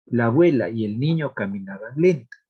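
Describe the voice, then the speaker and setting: A man teaching a grammar lesson, explaining rules slowly and deliberately, reading out examples and checking in with the class. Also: medium pitch, expressive, husky, narrow, tinny audio. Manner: asks checking questions of the class.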